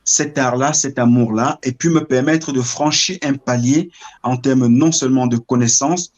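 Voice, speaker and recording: Over dull audio, a middle-aged man from Cameroon gives an interview about his life in a mid-range voice. He speaks in a measured, reflective way and frequently stops to hunt for words.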